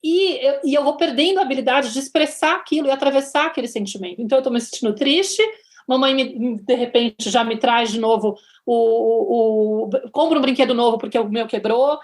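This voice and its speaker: A woman from Brazil co-hosting a podcast in casual chat. She speaks earnestly and haltingly, repeating words as she thinks. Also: fairly high pitch. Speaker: podcast co-host.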